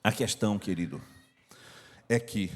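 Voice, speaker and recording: A man's voice: lowish voice, animated, a little slow. An older man with a Brazilian Portuguese accent preaching a sermon in a church hall, talking conversationally and repeating phrases for emphasis. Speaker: pastor. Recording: long church-hall reverb.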